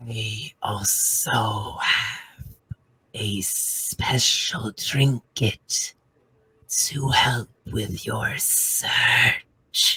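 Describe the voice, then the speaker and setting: This man puts on a character voice. His delivery is very slow. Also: medium pitch for a man. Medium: actual play.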